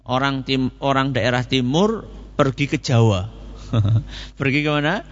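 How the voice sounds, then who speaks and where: A man's voice: mid-range voice, measured pace, big-room sound, muffled recording. A man giving a Quran commentary lecture, telling stories and asking questions he answers himself. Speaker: preacher.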